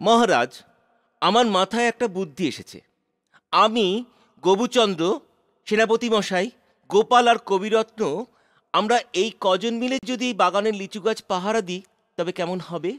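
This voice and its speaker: A man's voice: high voice, moderate pace, pauses often, a bit bright, no echo, studio quality. A man voicing a scheming, eager royal minister in a cartoon, with an insinuating, advising manner. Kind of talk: cartoon voice acting.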